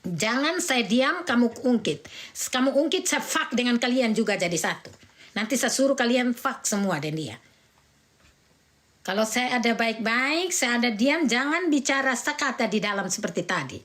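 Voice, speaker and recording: A woman's voice: fairly high pitch, expressive, normal speed, fairly bright tone. A middle-aged woman from Indonesia, a mother scolding and ranting angrily and repetitively on a livestream. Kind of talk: heated livestream rant.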